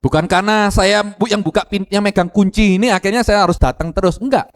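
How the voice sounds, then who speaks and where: Middle-aged East Javanese male pastor, animated preaching, speaks to the pews. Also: high voice, fast talker. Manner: animated, addresses congregation directly, mixes Javanese phrases. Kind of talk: lively sermon with acted quotes.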